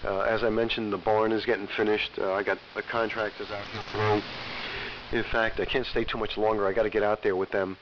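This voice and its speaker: Dull shortwave audio with a faint hiss carries a middle-aged American man with a slightly low voice. He has a bit of a cold and chats in a plainspoken, repetitive way as an amateur radio operator. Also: little pitch movement, a little fast. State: getting over a cold. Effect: shortwave AM radio transmission. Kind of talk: casual radio chat. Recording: muffled, hissy shortwave radio reception. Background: faint static hiss.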